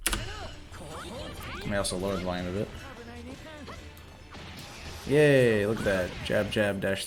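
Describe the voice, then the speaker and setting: A man with a somewhat low voice that sounds hoarse and worn out, as if strained from shouting. He talks in a relaxed, explanatory way, coaching the listener while he reviews game footage. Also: a little hiss or hum. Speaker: host. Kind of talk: casual commentary over gameplay footage.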